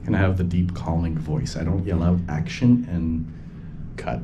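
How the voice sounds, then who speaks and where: A man's voice: low-pitched, fairly even intonation, normal speed. A man hosting a casual screening discussion, joking and self-mocking, recorded on a handheld phone in a venue. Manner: playful, camp self-mocking. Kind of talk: casual onstage interview. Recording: phone recording with background noise.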